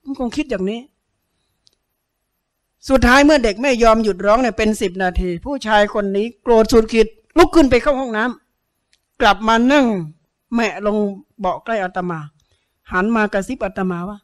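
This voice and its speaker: A man's voice: extremely high pitch, normal speed. A Buddhist monk giving a sermon, telling stories, acting out the people in them and putting questions to his listeners. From Thailand. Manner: storytelling, acts out quoted people, asks listeners questions.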